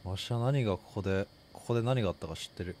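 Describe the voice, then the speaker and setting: A man's voice: lowish voice, very fast, a little mellow, a little hiss or hum, pitched below the performer's own voice, close to an everyday voice. A man voicing a gloomy, ominous doomsaying vagrant from a horror game.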